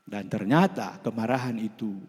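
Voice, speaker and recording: A man with a Sundanese accent preaching a Christmas sermon in a church, lively and playful, with jokes and laughter. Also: lowish voice, moderate pace. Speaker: pastor. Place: church hall. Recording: long hall reverb.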